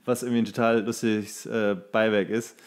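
A man's voice: lowish voice, level tone, brisk. A man co-hosting a casual podcast, talking enthusiastically about films and slipping into acted-out quotes. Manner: enthusiastic, acts out movie quotes. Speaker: podcast co-host. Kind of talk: casual film chat.

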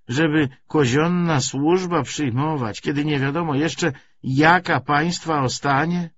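A man's voice: a little high, slightly rough, lo-fi sound, pitched above the performer's own voice. A man voicing a worried old village woman with plaintive, rustic speech. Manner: rustic dialect, plaintive exclamations. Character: worried old village woman, lamenting over her son.

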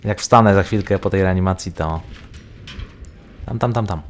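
A man giving casual, rambling gameplay commentary, thinking out loud as he plays. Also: deep voice, normal speed, a little hiss or hum. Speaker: gaming video host.

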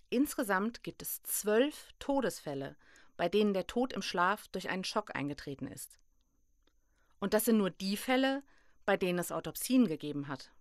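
A woman's voice: mid-range voice, dry recording, lightly acted. A serious female investigator played by an actress in an audio drama. She has a mid-range voice and speaks in a probing, conversational way. The recording is very dry.

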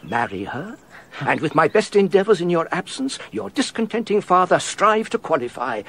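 Loyal earnest courtier for a radio play; animated, measured delivery. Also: male voice, high-pitched, slight background noise, exaggerated voice. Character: loyal older male courtier and counsellor, earnest. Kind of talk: classic radio drama acting.

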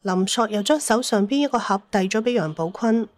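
A woman's voice: medium pitch, a little fast, dry recording. A woman narrating a scripted dramatic story as an audiobook narrator.

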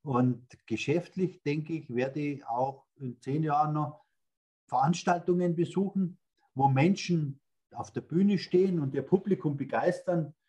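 A man's voice: a little high, unhurried, mellow, husky. Older Bavarian man telling stories. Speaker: guest, speaker agency founder. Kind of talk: casual interview over video call. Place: indoors, in front of a red stage curtain backdrop. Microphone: video call.

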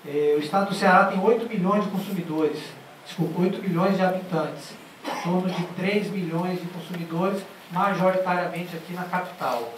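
A man giving a formal speech from a conference panel, halting at times with restarts, into a handheld mic. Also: high voice, steady tone. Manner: halting, with restarts and filler sounds. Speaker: panel speaker. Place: large conference auditorium. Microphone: handheld mic, seated at a panel table. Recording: echoey hall from far off, faint noise.

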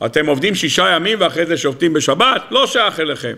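A rabbi with a gravelly voice on the high side gives a Torah lesson to an audience, teasing them animatedly with rhetorical question after rhetorical question.

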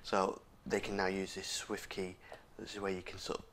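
A man's voice: deep voice, completely flat delivery, moderate pace, fairly bright tone. A man with a scratchy, sore voice, casually hosting a tech walkthrough with frequent fillers and restarts. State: hoarse, sore throat. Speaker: tech video host. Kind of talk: casual screen-recorded walkthrough.

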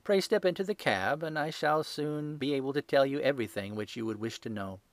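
An assured gentleman detective speaks blandly and courteously, a man voicing him. His delivery is measured and never hurried. The recording is dry, with no room around it. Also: mid-range voice, dry recording, pitched above the performer's own voice, close to an everyday voice. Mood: calm. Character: calm, urbane male detective, bland and assured.

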